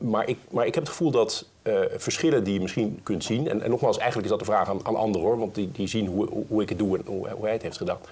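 A man at a very fast pace with lively intonation. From Netherlands. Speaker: investor association director; guest. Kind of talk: interview. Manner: halting, many repetitions. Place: studio.

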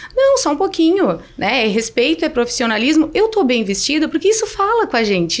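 A woman speaks with very wide pitch swings. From Rio Grande do Sul, Brazil (Bagé); Rio Grande do Sul, Brazil. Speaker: fashion business owner; podcast guest. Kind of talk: interview; interview answer. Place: studio. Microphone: studio mic.

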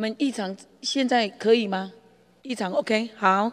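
Speaking very slowly, the woman shows ordinary pitch variation. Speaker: council chairperson. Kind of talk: chairing a meeting. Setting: council chamber.

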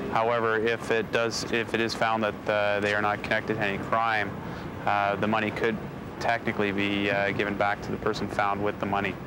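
Amid noticeable background noise, a man speaks at a fairly quick pace with a fairly low pitch and monotone, flat intonation, in a dry sound with no echo. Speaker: police officer. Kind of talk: on-scene commentary. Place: street. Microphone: camera far.

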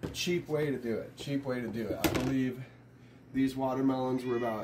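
A man speaks over loud background noise. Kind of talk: casual vlog chat. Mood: relaxed, joking. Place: kitchen. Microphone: phone near.

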